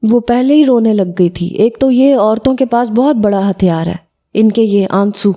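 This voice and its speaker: Woman storyteller with a mellow voice. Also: a little high. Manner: reads in the voice of a schoolboy narrator. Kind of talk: audio story narration in first person.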